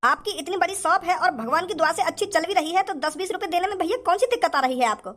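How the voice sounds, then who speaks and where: A man playing a hungry young beggar, very high voice, whining and pleading. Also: expressive, quick pace, pushed and bright, full character voice.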